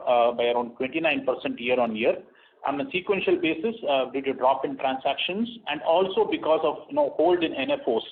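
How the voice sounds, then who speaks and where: A man presents quarterly financial results over a conference call. He speaks in a measured way, with frequent "uh" fillers and restarts. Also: mid-range voice. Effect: heard over a conference call line. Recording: tinny phone-line conference call audio.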